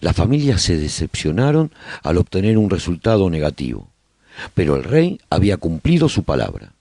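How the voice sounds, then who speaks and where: A man playing a nostalgic survivor who chronicles colony life in a radio serial, with measured, expressive storytelling. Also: deep voice, creaky, dry recording, clean studio sound, exaggerated voice. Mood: earnest, chronicling. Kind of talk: scripted first-person radio drama narration.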